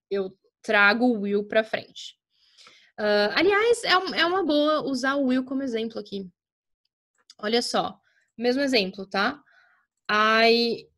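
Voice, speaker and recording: A woman, an English teacher who explains grammar in a chatty way, checks in often with her listeners and slows down to spell out example sentences. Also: a little high, a bit bright.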